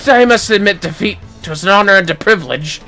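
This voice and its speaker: Man playing eager young fantasy game swordsman, high-pitched, bright, valiant, archaic formal speech. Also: fairly quick, soft background music.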